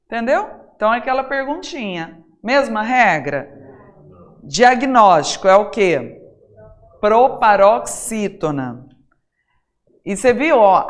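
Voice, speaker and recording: A Brazilian woman teaching an exam-prep Portuguese lesson, talking straight to her students with many rhetorical questions and slowly stressing key words. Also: a little high. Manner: stresses single words by saying them slowly and loudly. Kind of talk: recorded classroom lesson.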